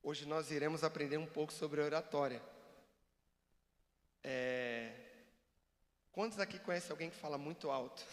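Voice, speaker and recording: A man giving an animated, joking church seminar talk and acting out examples for the audience. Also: on the high side, measured pace, pauses often. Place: church hall. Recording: long reverb of a church hall.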